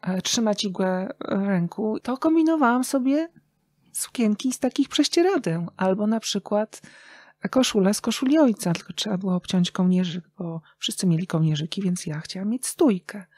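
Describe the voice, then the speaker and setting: A middle-aged woman talking casually and reflectively as a podcast guest, telling stories expressively with thoughtful pauses. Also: medium pitch, animated, dark tone, no echo. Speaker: interview guest, radio journalist and writer.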